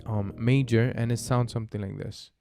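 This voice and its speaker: Man calmly teaching, piano behind him. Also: mid-range voice, normal speed, gravelly. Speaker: piano tutor. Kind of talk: casual instructional explanation. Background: piano chords played alongside the voice.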